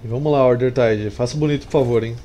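A man's voice: medium pitch, fast, mellow. A man in his thirties with a Brazilian accent, commenting casually on a strategy game in informal, slangy speech. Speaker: gameplay streamer. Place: small room indoors. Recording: clear background noise. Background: game sounds and ambience.

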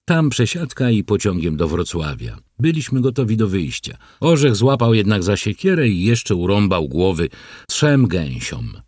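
A man's voice: lowish voice, very animated, moderate pace, a little mellow, no echo, studio quality. A man narrating a first-person story for an audiobook in a wry, vivid way.

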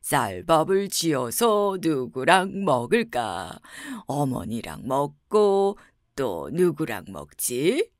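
A woman's voice: medium pitch, very animated, measured pace, no echo, clean studio sound. A woman voicing a simple-hearted young bachelor son in a bedtime storybook reading, talking in a naive, earnest way. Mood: cheerful, naive.

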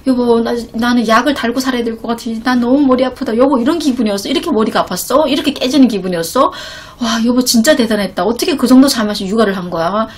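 A woman's voice: on the high side, fast, hardly any pauses, husky. A woman voicing her own husband in a retelling, as a grown man pleading and full of remorse. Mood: remorseful. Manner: begging, remorseful.

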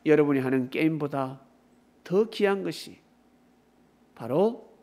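A man's voice: a little high, animated, measured pace, a little mellow. A man preaching to teenagers, retelling a Bible story playfully, calling on kids by name and teasing them with questions. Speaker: youth pastor.

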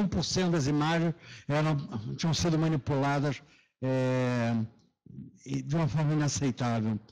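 A male lecturer speaks in a somewhat high voice with a Carioca accent from Rio de Janeiro. His s sounds come out as a hushing sh. He delivers a semi-formal academic talk, explaining points from slides. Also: rough recording. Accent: Carioca (Rio de Janeiro) Brazilian Portuguese. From Rio de Janeiro, Brazil. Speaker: lecturer, professor. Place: lecture auditorium.

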